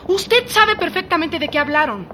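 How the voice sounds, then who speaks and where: An actress playing a suspicious young domestic worker in a radio drama, with a blunt, accusing manner. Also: female voice, extremely high pitch, big pitch swings, moderate pace, pushed and bright, slight background noise, exaggerated voice. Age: young adult. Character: young live-in maid, suspicious and defiant.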